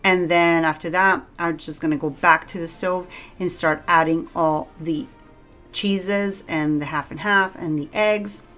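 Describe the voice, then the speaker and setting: A woman with a Cuban accent narrates her kitchen cooking in a chatty, self-deprecating way. Her voice sits somewhat low. Soft music plays faintly underneath. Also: steady tone, unhurried. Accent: Cuban Spanish. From Cuba. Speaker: cooking vlogger. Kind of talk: casual cooking voice-over. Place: home kitchen.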